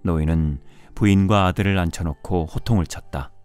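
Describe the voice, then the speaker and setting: Deep, mellow male audiobook narrator. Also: normal speed, smooth, no room sound. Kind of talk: scripted storybook narration for bedtime listening. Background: music.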